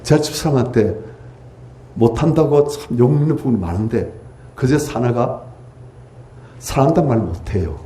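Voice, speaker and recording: A man preaching a revival sermon in a church sanctuary. His voice is dark and mellow, with a lively, swooping pitch. He swings between loud, pleading cries and hushed near-whispers. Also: normal speed, long pauses, a little hiss or hum. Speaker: pastor.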